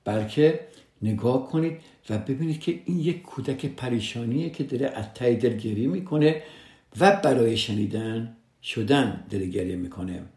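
A man with a medium-pitched, slightly mellow voice hosts a radio program offering relationship advice, heard with noticeable reverb. Casual, podcast-style, he addresses listeners earnestly and directly and often repeats his main points.

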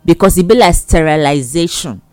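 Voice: mid-range voice, normal speed, a little mellow, smooth, no room sound, faint music behind. A speaker with a Nigerian accent giving admonishing advice in Nigerian Pidgin, in an emphatic, repetitive, exhorting way.

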